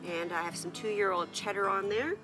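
A woman's voice: mid-range voice, fairly even intonation, normal speed, music in the background, low-quality recording. A middle-aged woman with a stuffed-up nose talks casually about her solo camping trip, with lots of ums and uhs, filming herself at arm's length outdoors. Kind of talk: casual vlog narration. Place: outdoors at a lakeside campsite and in a tent. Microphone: camera at arm's length.

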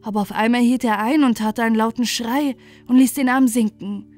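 A woman's voice: a little high, fairly even intonation, brisk, a little mellow. A woman narrating a scripted bedtime fairy tale as a storyteller. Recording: music bed under the voice.

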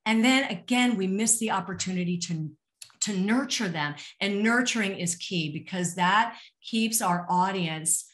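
Unhurried and fairly bright, a middle-aged woman with a medium-pitched voice presents a career coaching webinar over a video call from a small room. She talks to her audience directly and encouragingly, using rhetorical questions in a conversational way.

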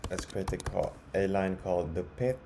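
A man presenting a casual software walkthrough, explaining step by step in a halting way. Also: low voice. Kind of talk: casual screen-share walkthrough. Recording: clearly audible background noise.

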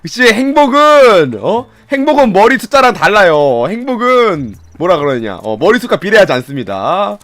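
A young man commentating a game he streams, excitable and playful, laughing, shouting and swearing as he goes. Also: sits high, normal speed, hardly any pauses, no echo. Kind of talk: casual gameplay commentary.

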